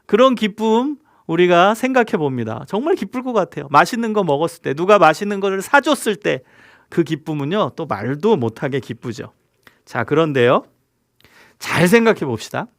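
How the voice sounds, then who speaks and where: A man preaching as a pastor to young people, animated and asking the audience many questions. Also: high-pitched, normal speed, no echo, studio quality. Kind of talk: youth sermon.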